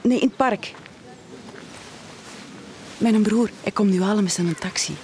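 A woman's voice: mid-range voice, measured pace, a little mellow, natural voice. An actress plays a middle-aged Flemish mother, devout and full of worry for her son. The acting is natural audio drama. There is faint noise in the background. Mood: urgent.

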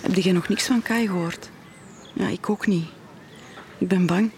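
A woman's voice: medium pitch, unhurried, darkish tone, slight background noise, natural voice. An actress playing a worried, devout middle-aged mother with a Flemish accent in an audio drama. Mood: anxious. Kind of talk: naturalistic audio drama acting.

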